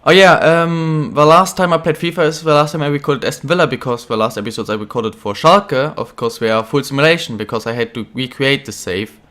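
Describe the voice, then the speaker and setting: A young man who is a bit ill, chatting casually while commentating his own football video game career, getting excited at goals. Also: medium pitch, a little fast, few pauses. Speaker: gaming channel host.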